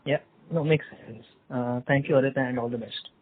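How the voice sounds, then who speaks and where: A thin phone connection carries a fast-talking man. He is an analyst on an earnings call, polite and conversational, with a mid-range voice. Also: medium pitch, steady tone, slightly rough. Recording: faint, thin phone line.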